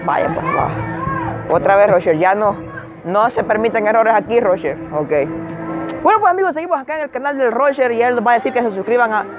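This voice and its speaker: A young man, loud and exasperated, swearing as he pranks people in an outdoor plaza. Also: extremely high pitch, brisk. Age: young adult. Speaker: prank youtuber. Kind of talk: street prank comedy. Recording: tinny lo-fi audio, music and crowd behind.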